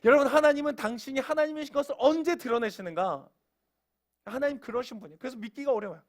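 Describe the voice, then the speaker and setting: A man's voice: very high-pitched, quick pace. A man preaching a sermon as pastor. He asks the congregation questions and acts out quoted voices in everyday speech.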